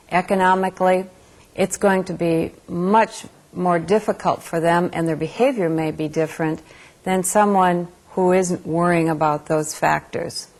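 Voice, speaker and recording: A woman instructor delivering an instructional lecture in a measured, explanatory way. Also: lowish voice, a little mellow.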